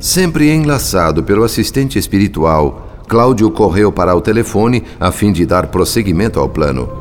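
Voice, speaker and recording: A man's voice: deep voice, expressive, moderate pace. An actor playing a grave spirit narrator, a Brazilian man telling a radio drama in a solemn literary style. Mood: grave, suspenseful. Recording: music under the narration. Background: background music.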